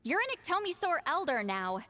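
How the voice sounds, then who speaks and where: An actress playing a proud, gruff, long-lived but young-sounding shaman woman in a video game, brusque and easily exasperated. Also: very high voice, sing-song, a little fast, bright, forceful tone, heavily acted. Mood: scolding, wry.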